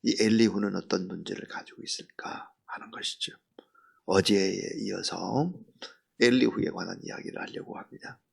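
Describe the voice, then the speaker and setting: Gravelly husky-voiced male pastor preaching. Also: low-pitched, steady tone, moderate pace. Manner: swings from loud emphasis to near whisper; earnest, preaching with rhetorical questions. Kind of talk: early-morning sermon.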